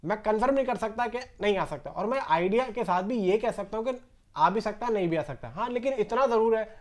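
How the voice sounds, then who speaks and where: Male film news host, high-pitched voice, casual conversational delivery, repeats points and talks straight to viewers. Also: expressive, a little fast. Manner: conversational, repeats himself, addresses viewers directly.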